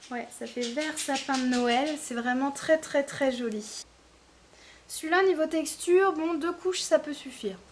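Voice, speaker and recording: A woman's voice: sits high, measured pace, slight background noise. A woman giving a casual, chatty product review, hesitating often with fillers. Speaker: beauty vlogger.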